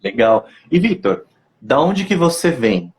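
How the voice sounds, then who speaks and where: A man's voice: medium pitch, big pitch swings, unhurried. Brazilian man hosting a casual interview. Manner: conversational, asks long framing questions. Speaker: host, English teacher.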